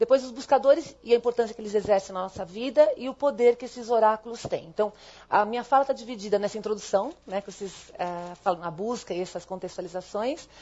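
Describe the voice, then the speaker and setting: Her voice fairly high, a woman talks at a fairly quick pace with hardly any pauses, ordinary pitch variation and big swings in loudness. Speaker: lecturer on digital technology. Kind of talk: lecture. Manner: fast.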